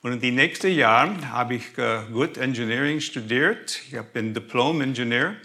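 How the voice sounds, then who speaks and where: A man with an American accent giving a personal faith testimony, halting and searching for words, sometimes slipping into English. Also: mid-range voice, sharp tone. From grew up in the USA. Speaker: guest speaker.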